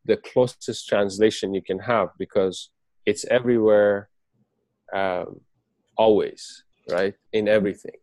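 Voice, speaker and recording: A man's voice: fairly low pitch, warm tone, dry recording. Persian man, dry-sounding video-call guest. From Persian, raised in the UAE. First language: Farsi. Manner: halting, many fillers and restarts. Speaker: interview guest. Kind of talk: reflective spoken account.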